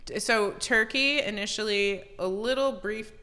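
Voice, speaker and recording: A woman's voice: mid-range voice, a little slow. A woman from Iran, a guest on a podcast, chatting and telling stories with lots of laughter. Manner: bubbly, laughs often, animated storytelling. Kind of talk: casual interview chat.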